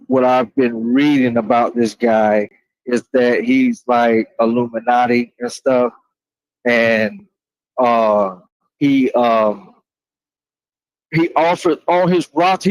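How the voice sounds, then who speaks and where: A man chatting casually as a panelist, halting and roundabout, often saying "you know". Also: medium pitch, fairly even intonation, no echo, rough recording. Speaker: panelist asking a question. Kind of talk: casual chat.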